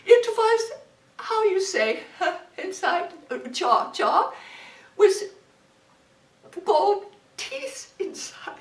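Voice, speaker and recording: A woman playing a widow, high and halting. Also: big pitch swings, exaggerated voice. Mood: agitated. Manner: halting, repeats words, searches for English words. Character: German war widow, emotional, broken English. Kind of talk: dramatic monologue. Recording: echoey room, distant mic, faint hiss.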